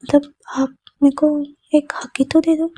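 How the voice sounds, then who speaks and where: Woman narrator doing a cheeky student: high, breathy, flat delivery. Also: measured pace, dry recording. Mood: teasing. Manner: teasing, dramatic.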